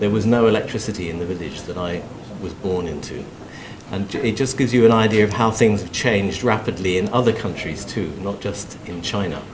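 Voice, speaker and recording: Speaking at a fairly quick pace, a man with a southern English accent has a fairly low pitch. Noticeable background noise and audible room echo fill the recording. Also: ordinary pitch variation. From southern England. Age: 60s. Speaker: professor. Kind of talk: lecture. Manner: hesitant, many ums.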